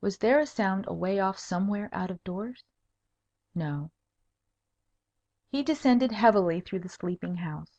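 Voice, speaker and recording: A woman narrates a humorous tale as a scripted audiobook. Her voice sits at an average pitch, and the recording is a little dull and lo-fi. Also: animated, unhurried, long pauses, warm tone.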